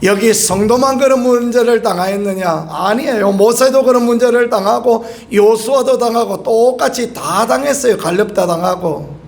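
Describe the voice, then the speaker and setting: A man's voice: extremely high pitch, normal speed, creaky. A middle-aged man preaching a sermon as a pastor, asking the congregation rhetorical questions and bursting into emphatic exclamations. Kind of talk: early-morning sermon. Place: church sanctuary.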